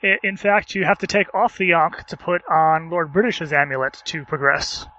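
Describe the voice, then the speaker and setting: A man with a fairly high, sharp voice chats as a podcast panelist. His lo-fi audio is dull and a little noisy. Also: steady tone, moderate pace. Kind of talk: casual discussion. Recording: dull, slightly noisy lo-fi connection.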